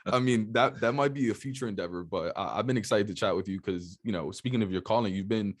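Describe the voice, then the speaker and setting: A man hosting a podcast, upbeat and energetic, chatting in slangy, casual speech and greeting listeners in Spanish. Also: fairly low pitch, fast. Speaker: podcast host. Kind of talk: casual podcast intro and interview.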